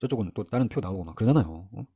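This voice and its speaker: Middle-aged male lecturer, mellow husky tone, brisk conversational exam-prep delivery. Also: on the low side, lively intonation. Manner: chatty, asks the listener rhetorical questions, acts out quoted figures. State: sore throat. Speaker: history lecturer.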